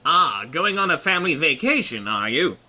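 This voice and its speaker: A courtly, talkative gentleman, played by a man in a fantasy audio comedy. His fairly high voice is very bright and swings about as he makes polite, flowery remarks. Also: big pitch swings, normal speed, heavily acted. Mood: chipper. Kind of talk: comic fantasy audio drama acting.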